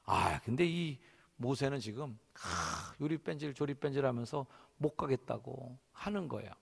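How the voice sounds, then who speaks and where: A male senior pastor preaching a sermon in a church sanctuary, animated and acting out the voices in his stories. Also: medium pitch, normal speed, creaky, slightly rough, long reverb tail.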